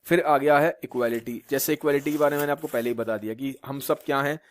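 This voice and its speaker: Speaking quickly in a mid-range voice, this male teacher from Uttar Pradesh, India, lectures his class in Hindi sprinkled with English terms. He keeps asking rhetorical questions and frequently says "theek hai" to check that students are following along.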